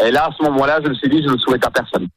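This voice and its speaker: A man's voice: mid-range voice, fairly even intonation, rapid-fire, slight background noise, low-quality recording. A man calling in to a radio show who speaks with a Flemish accent and talks earnestly, often stressing that he is being honest. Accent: Flemish Belgian. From Flanders, Belgium. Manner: earnest, repeats "honnêtement". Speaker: caller. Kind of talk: phone-in chat.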